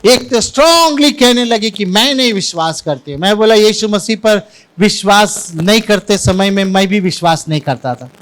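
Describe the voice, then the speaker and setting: High-voiced pastor preaching. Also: male voice, normal speed. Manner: animated preaching, mixing in English words. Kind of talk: Sunday sermon with anecdotes. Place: church service.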